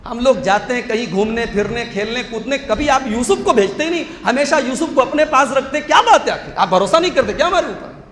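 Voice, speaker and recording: A man's voice: very high voice, animated, fairly quick, fairly bright tone, pitched above the performer's own voice. A man voicing scheming young brothers who plead insistently with their father. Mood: wheedling. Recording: echoey hall, faint hum.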